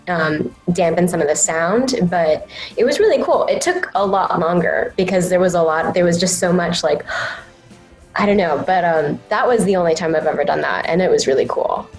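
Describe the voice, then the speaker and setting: A woman's voice: on the low side, darkish tone, rough recording. A young woman voice actress talking enthusiastically in a casual interview, with many fillers. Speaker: anime voice actress, guest.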